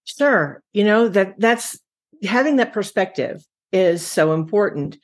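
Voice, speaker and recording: A woman's voice: medium pitch, lively intonation, unhurried. Woman hosting a podcast interview, conversational, encouraging. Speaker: podcast host.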